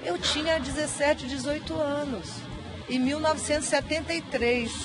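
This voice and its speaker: A woman's high-pitched voice at a moderate pace, with audible room echo and music in the background. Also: ordinary pitch variation. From interior of São Paulo state, Brazil. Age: 60s. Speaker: children's book author. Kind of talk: interview, personal storytelling.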